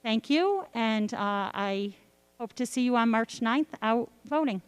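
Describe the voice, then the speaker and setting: A middle-aged woman giving a prepared speech as a local candidate, speaking earnestly and deliberately in short phrases. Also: a little high, smooth, dry recording. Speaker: candidate for town selectman. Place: arts center stage at a candidate forum.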